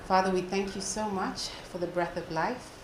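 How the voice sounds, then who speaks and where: A woman's voice: medium pitch, normal speed, roomy sound, background noise. A woman in her forties who grew up in England, a guest on a Christian talk show, speaking earnestly and praying aloud. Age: 40s. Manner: earnest, prayerful. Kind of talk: interview and spoken prayer.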